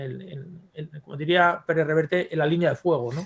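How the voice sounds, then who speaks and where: Here a man speaks at a fairly high pitch, at a moderate pace. His intonation is monotone and flat. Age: 60s. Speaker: history professor. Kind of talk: interview. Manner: halting.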